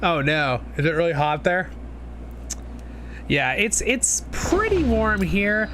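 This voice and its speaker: A man's voice: high voice, expressive, slow, fairly bright tone, slight background noise. A man in his twenties from Southern California, chatting casually and rambling to viewers on a live stream while a bit sniffly from a cold. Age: 20s. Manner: rambling, chatty, talks to chat. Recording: music playing behind.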